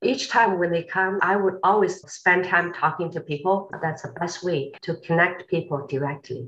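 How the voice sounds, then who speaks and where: Here is a woman with an ordinary speaking voice at a fairly low pitch, with ordinary pitch variation. She keeps a moderate pace with hardly any pauses. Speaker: TV station founder, former radio host. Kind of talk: interview answers.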